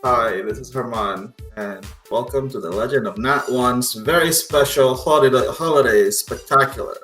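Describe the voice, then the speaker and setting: A man's voice: mid-range voice, normal speed, fairly bright tone. A man narrating a tabletop game casually as game master, in a playful, jokey manner. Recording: roomy echo, music behind.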